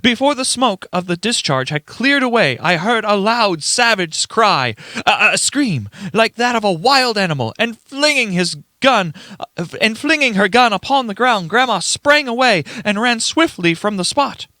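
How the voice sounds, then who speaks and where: Radio play witness: earnest, rattled young man played by a male reader, formal storyteller, very lively intonation, dry sound. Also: high voice, moderate pace, no room sound, pitched above the performer's own voice, heavily acted. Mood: alarmed. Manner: formal old-fashioned storytelling, stumbling over words. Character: young man writer testifying, earnest and unnerved. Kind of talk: dramatic radio play reading.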